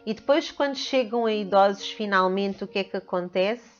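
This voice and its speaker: A woman's voice: mid-range voice, moderate pace, highs cut off, faint music behind. A woman with a European Portuguese accent, hosting a spiritual video with earnest, emphatic speech and much repetition. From Portugal and the Netherlands. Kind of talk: spiritual talk to camera.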